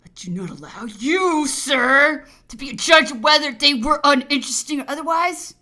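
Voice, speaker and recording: A woman's voice: mid-range voice, quick pace, creaky, a bit bright, breathy edge, full character voice. A woman voicing an angry, menacing, domineering British colonial governor in a dramatized memoir audiobook, imperious and accusatory. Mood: imperious anger.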